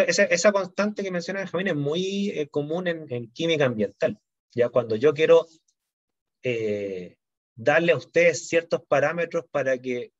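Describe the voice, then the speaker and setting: A middle-aged man teaching university chemistry online, walking through ideas patiently and checking often that his students follow. His voice sits a little high for a man. The sound is dry and somewhat muffled, like a computer microphone on a video call. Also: dry recording. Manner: explanatory, frequent "¿no es cierto?" and "¿ya?" check-ins.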